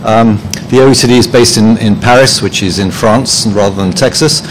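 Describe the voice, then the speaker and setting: Halting, dry-humored man giving a talk. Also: lowish voice, slight background noise, poor audio. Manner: hesitant, with many ums and restarts; dry, self-deprecating humor. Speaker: conference presenter, head of publishing. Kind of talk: conference presentation. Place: conference room.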